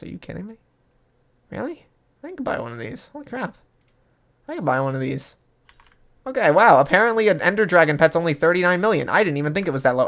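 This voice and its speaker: A man who makes gaming videos, talking in a chatty, casual way that swings quickly into excited disbelief. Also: on the high side. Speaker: gaming YouTuber.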